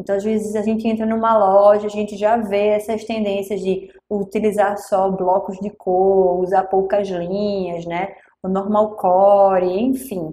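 A woman with a calm, dark, mellow tone speaks fairly slowly at medium pitch. Her intonation is monotone and flat, with hardly any pauses. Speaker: design lecturer. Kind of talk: lecture. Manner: hesitant, many fillers.

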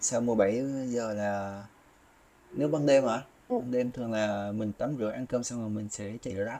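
Long, frequent pauses break up a man's fairly slow, fairly even delivery, his medium-pitched voice dark and mellow in tone. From Phú Yên, south-central Vietnam. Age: 20s. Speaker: ride-hailing motorbike driver. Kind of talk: casual interview.

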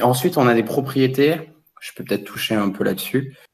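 Ordinary pitch variation marks this man's voice. He keeps a moderate pace. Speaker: Bitcoin software developer. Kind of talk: technical discussion. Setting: Twitter audio space.

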